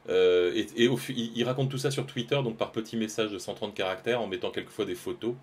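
Deep-voiced man rambling while drawing live. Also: quick pace, husky. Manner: rambling, hesitant, many fillers and restarts. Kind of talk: casual live-stream chat while drawing.

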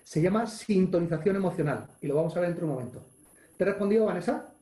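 Spanish-male coach, online webinar, energetic and demonstrative, warm mellow tone, roomy echo over a video call. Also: high-pitched, fast talker. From Spain. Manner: energetic, acts out gestures and exclamations, reads chat questions aloud. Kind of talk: live online leadership webinar.

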